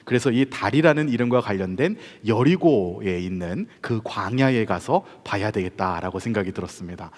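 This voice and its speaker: Korean pastor preaching in a reverberant hall. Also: male voice, on the low side. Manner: storytelling, conversational preaching with rhetorical questions. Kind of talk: sermon.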